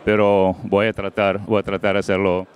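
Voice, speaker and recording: A middle-aged man from Colombia presenting on a conference stage into a handheld mic, halting often with fillers and slipping into English words. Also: sits low, completely flat delivery, highs cut off. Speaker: panel moderator. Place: large event stage.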